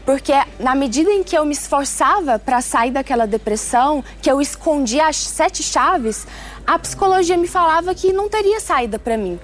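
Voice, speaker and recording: A woman in her twenties, from Switzerland, telling her personal testimony in an earnest, measured way. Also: sits high, animated. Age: 20s. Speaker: testimony speaker. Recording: soft music underneath.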